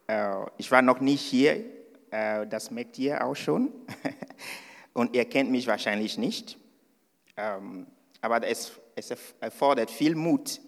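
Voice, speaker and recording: Slow, hesitant male preacher in a reverberant hall. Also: medium pitch. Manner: hesitant, with many fillers and restarts. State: a little nervous. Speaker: guest preacher. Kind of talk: sermon. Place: church service.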